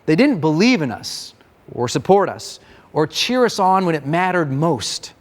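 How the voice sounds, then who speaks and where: A man's voice: on the high side, sing-song, unhurried, no echo. A man reading a scripted motivational manifesto in an earnest, declamatory way. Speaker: narrator.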